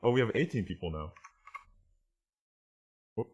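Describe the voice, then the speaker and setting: A man's voice: lowish voice, animated, measured pace, a little mellow, breathy edge, highs cut off. A man giving a casual online language lesson as the teacher, thinking aloud and often checking that listeners follow.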